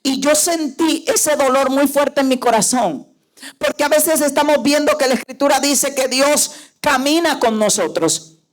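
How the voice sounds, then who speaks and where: A woman's voice: sits high, a little slow. A woman pastor preaching a sermon, emphatic and full of rhetorical questions to her listeners.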